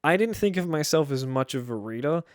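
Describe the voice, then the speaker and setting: A man's voice: on the high side, animated, a little fast, clean tone, no echo, clean studio sound. A young man talking to the camera in a casual, rambling way, wry and full of self-interruptions. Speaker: video creator. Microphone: camera-facing mic.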